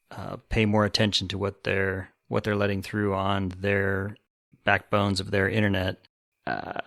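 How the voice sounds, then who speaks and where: A man's voice: fairly low pitch, creaky, fairly bright tone, no echo, clean studio sound. A man co-hosting a podcast, casually explaining and discussing tech news. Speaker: podcast co-host.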